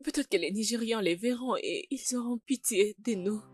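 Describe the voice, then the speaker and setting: A woman plays an urgent friend pressing someone to act, her voice a touch high and plain. The dub is recorded close and dry. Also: moderate pace, breathy edge, dry recording. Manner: pleading, urgent. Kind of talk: French dub of a film.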